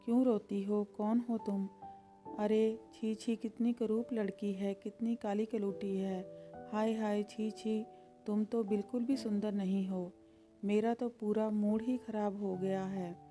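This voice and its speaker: A woman's voice: medium pitch, little pitch movement, measured pace, over music, lightly acted. A woman voicing a grumpy, fussy male ghost in a storybook tale, scolding and squeamish. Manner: scolding, squeamish, sing-song chants. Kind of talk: storybook character voice.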